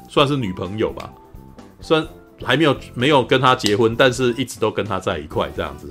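A man's voice: medium pitch, a bit bright. A man hosting a podcast, retelling a drama's plot in casual chat with many fillers, acting out quoted lines in a raised voice. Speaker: podcast host.

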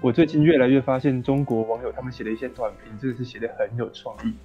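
A man with a Taiwanese accent chatting casually about films as a podcast co-host, musing and explaining haltingly. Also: mid-range voice, fairly even intonation, dull audio, faint music behind. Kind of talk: casual film discussion.

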